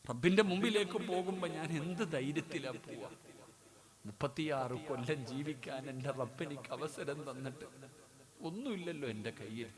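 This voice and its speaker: A man voicing a dying scholar in hospital, speaking in a low, soft, broken voice. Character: dying male scholar in hospital, weeping, humble.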